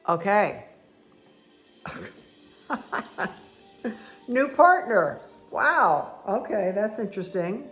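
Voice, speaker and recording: A woman with a croaky voice giving a casual, chatty tarot card reading that speaks directly to the listener. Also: mid-range voice, big pitch swings, very slow, pauses often, a bit bright. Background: background music.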